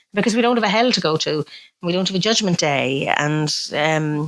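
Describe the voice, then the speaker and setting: In an Irish accent, a woman speaks with a very deep, low pitch. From rural Ireland. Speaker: druid order leader. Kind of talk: interview. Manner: fast.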